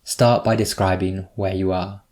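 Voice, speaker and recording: A man narrating a scripted guided meditation, giving measured, instructive prompts with pauses between them. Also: low voice, level tone, a little mellow.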